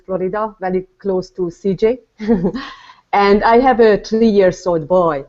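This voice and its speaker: Slow, earnest Hungarian-accented woman. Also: medium pitch, dull audio. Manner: earnest, halting, searches for words. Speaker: panel guest, mother of a toddler. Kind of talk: casual online group chat. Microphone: video call.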